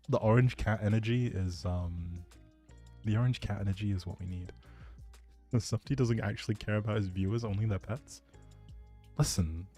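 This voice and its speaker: A man with a warm, fairly low voice hosts a livestream, chatting casually with his viewers in a rambling, playful, joking manner, with music playing in the background.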